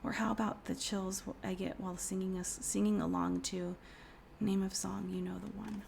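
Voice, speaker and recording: Hoarse woman in her 30s, gravelly, mellow-toned, soft whispery delivery, casual tarot reader, faint background hiss. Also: medium pitch, little pitch movement, normal speed. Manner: soft, often whispery, rambling with fillers. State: hoarse from a cold. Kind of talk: casual pick-a-card tarot reading.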